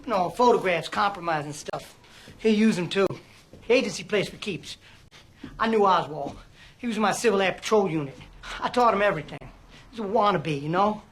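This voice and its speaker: An actor playing a paranoid, disgraced middle-aged former priest and spy, profane and rambling, in film audio with music. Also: male voice, high-pitched, a little fast, natural voice. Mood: nervous. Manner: profane, rambling, panicky outbursts. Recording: film audio with loud score.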